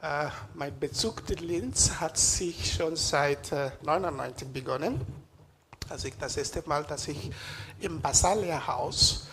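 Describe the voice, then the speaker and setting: A man's voice: a little high, slow, background noise. Hesitant man giving a lecture. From Nigeria. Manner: frequent hesitations, searching for words. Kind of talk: public lecture. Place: lecture room.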